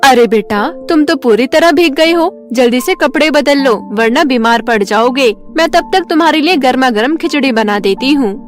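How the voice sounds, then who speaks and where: A woman voicing a caring, contented village mother in an animated storybook tale, affectionate in manner. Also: high-pitched, normal speed, few pauses, soft background music. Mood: concerned.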